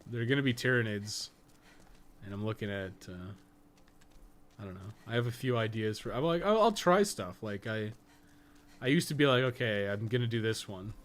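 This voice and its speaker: A man's voice: fairly low pitch, lively intonation, moderate pace, pauses often. A man giving casual, rambling live-stream game commentary, swearing and joking with his chat as he plays.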